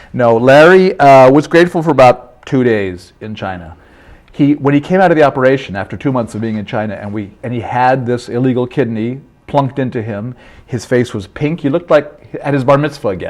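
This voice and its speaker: This man has a Rhode Island accent and a medium pitch. He moves at a fairly quick pace. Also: ordinary pitch variation. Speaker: author. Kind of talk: interview. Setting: studio.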